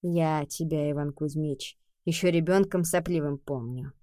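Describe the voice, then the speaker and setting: A woman voicing a proud elderly noblewoman who speaks in a calm, dignified way in an audiobook. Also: lowish voice, normal speed, no room sound, clean studio sound, lightly acted.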